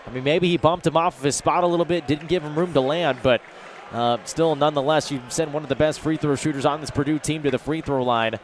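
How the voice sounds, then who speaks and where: A man's voice: fairly high pitch, fast talker. A man giving live analysis as a color commentator at a basketball game. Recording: faint crowd and gym noise behind. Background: basketball game crowd.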